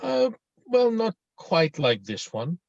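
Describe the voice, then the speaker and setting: A man's voice: high-pitched, big pitch swings, takes it slowly, gravelly, dry recording, exaggerated voice. A man acting a friendly, earnest young Swede in a script table read, hesitant and searching for words. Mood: friendly, chatty. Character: friendly, mock-menacing young Swedish man, earnest and sensitive. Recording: dull, lo-fi video-call audio.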